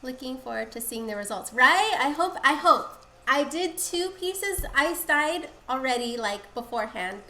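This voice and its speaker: A woman's voice: sits high, expressive, a little slow, bright, forceful tone. Congested, nasal-sounding woman streamer. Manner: chatty, rambling explanations. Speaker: craft streamer. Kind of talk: casual live-stream dyeing tutorial. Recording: echoey room, faint background hiss.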